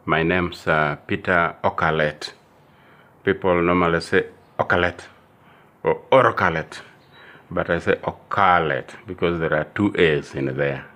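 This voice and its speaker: Older man, low measured voice. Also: sharp tone. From Uganda. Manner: measured storytelling, repeats dates and restarts phrases. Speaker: medical doctor and theologian giving a testimonial. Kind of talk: personal testimony.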